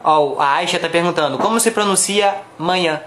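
A man from Brazil with a slightly high voice reads viewer questions aloud during a live lesson. He speaks in a relaxed, helpful way, keeping his remarks short. The room echoes, with faint noise behind him. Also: normal speed. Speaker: co-host reading viewer questions. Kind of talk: casual chat in a live lesson.

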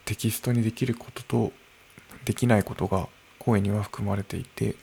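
A man in his early thirties talking alone into a microphone in his room, slow and musing, with soft laughs. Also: fairly low pitch, fairly even intonation, creaky, slightly rough. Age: early 30s. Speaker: podcast host. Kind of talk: unscripted solo podcast talk. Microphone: podcast microphone.

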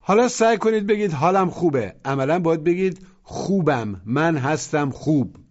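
A man's voice: on the high side, expressive. A man teaching a language lesson, patiently prompting listeners to repeat after him. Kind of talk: instructional narration. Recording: muffled lo-fi audio.

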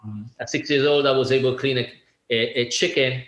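A man's voice: mid-range voice, fairly even intonation, a little fast, fairly bright tone, dull audio. A man around sixty from Italy, a guest talking casually in an interview with lots of laughs and restarts. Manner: chatty, laughing, many fillers and restarts. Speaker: guest, real estate agent. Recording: echoey room.

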